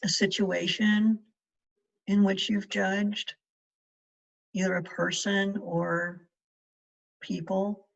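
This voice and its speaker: A woman leading a guided meditation in a measured way, leaving long pauses between short phrases. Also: mid-range voice, flat delivery, creaky. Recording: distant mic, dull muffled sound.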